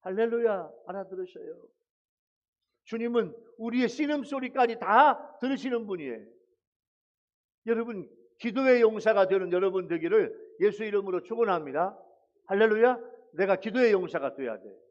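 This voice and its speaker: Man, high-pitched, preaching a sermon, exhorting, repeats phrases, church sanctuary, muffled lo-fi sound. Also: animated, normal speed. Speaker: pastor.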